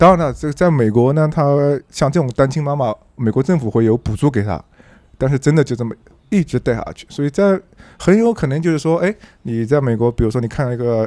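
Lively in intonation and fairly quick, a man speaks at a fairly high pitch with a dark, mellow tone in a dry, close sound with no echo. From China, Nanjing. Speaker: Chinese expatriate living in the US. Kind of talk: casual chat.

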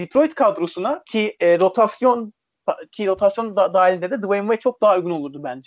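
This man's voice sits high in pitch, with lively intonation. He talks at a moderate pace. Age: 20s. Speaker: basketball editor and student. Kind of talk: casual chat.

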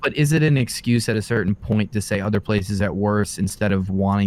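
An ordinary speaking voice from a man with an American accent, fairly low in pitch and at a fairly quick pace. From New York City. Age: 20s. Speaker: game streamer. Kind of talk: casual chat.

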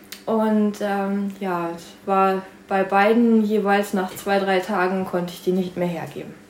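Amid noticeable background noise and audible room echo, a woman with a medium pitch speaks at a very slow pace in a monotone, flat intonation, with big swings in loudness. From Harz region, Lower Saxony, Germany. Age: 40s. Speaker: dog physiotherapist. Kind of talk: interview answers.

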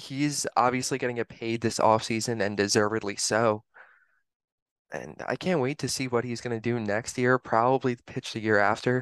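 A man speaks in an ordinary speaking voice at a moderate pace and medium pitch, with fairly even intonation and a dry, close sound with no echo. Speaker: podcast host. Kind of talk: casual chat and interview.

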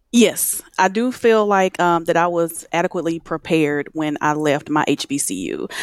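Hardly pausing, a woman speaks at a moderate pace and fairly low pitch with ordinary pitch variation, in a very clean recording with a silent background and a dry, close sound with no echo. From Nashville, Tennessee. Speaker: podcast co-host. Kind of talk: casual chat.

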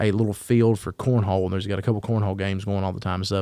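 A man with an Appalachian accent talks at a very fast pace in a dark, mellow tone. The background is quiet. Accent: Appalachian Southern US. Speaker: podcast host. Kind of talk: casual chat. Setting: studio.

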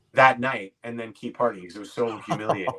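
A man's medium-pitched voice with a Montreal accent. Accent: Montreal anglophone Canadian English. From Montreal, Quebec, Canada. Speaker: comedy writer and actor. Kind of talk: casual interview chat.

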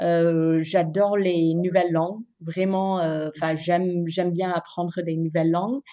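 A woman with an English accent speaks at a fairly low pitch and a fairly slow pace, with hardly any pauses. Her intonation is monotone and flat. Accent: English-speaking accent in French. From US South, Richmond, Virginia. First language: English (speaking French). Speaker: entrepreneur. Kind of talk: interview. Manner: hesitant.

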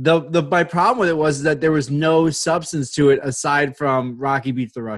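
Fairly high in pitch, a man with an American accent has a plain, everyday voice. He keeps a fairly slow pace and fairly even intonation. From United States (Irish American). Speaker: comedian and podcast co-host. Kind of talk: casual chat.

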